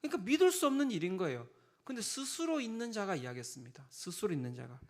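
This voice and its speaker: Lively, animated male pastor preaching. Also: high-pitched, quick pace. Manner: lively, acts out quotes with exasperated voices. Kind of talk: sermon.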